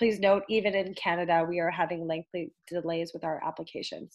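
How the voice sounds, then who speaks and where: A woman speaks over a quiet background. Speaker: university international student advisor. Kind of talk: webinar Q&A. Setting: online webinar. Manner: fast.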